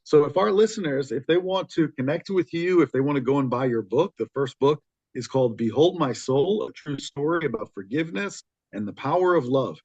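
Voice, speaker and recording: A man's voice: fairly high pitch, expressive, a little fast, a little mellow, husky, no room sound. A man hosting a podcast, closing out an interview in an upbeat, complimentary way. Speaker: podcast host. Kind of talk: wrapping up an interview. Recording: dry, dull lo-fi audio.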